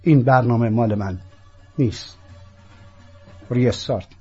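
A man from Iran with a Persian accent, hosting a political program as an emphatic, declamatory monologue in deliberate, repeated phrases. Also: mid-range voice, darkish tone, breathy edge. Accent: Persian (Iranian). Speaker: host of a political talk program. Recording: dull lo-fi audio with music underneath.

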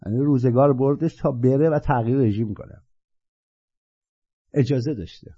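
A man giving an impassioned spiritual talk, swinging from low murmurs to loud, animated bursts. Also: slightly rough. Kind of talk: impassioned monologue. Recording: dull lo-fi recording.

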